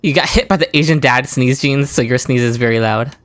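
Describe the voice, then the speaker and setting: A man's voice: mid-range voice, a little fast, a bit bright, dry recording, studio quality. A young man casually commenting on a game while live-streaming, chatty and giggly as he answers his chat. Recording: stream with game music behind.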